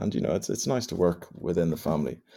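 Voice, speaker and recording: A man speaks with a Northern Irish accent in a very deep, low voice with a dark, mellow tone. His intonation is lively, with vocal fry. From Northern Ireland. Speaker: weaver. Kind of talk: casual chat. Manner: halting.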